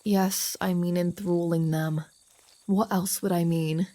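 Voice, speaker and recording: Woman playing a slow-talking, flirty female vampire. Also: lowish voice, fairly even intonation, mellow. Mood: wry, teasing. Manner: playful, sardonic, mock-exasperated. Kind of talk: ASMR roleplay audio drama.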